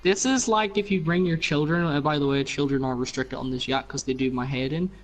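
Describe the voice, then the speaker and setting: A man's voice: fairly high pitch, fairly even intonation, a little fast, soft background music, low-quality recording. A man casually showing other players around his game build, rambling with lots of fillers over voice chat. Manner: rambling, many fillers and "you know". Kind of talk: casual game tour narration.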